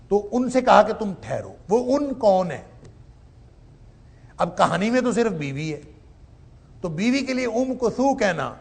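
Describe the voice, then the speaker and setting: A man teaching Quran commentary in a lecture, slowly reciting Arabic verses and then explaining them with rising emphasis. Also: fairly high pitch, vocal fry.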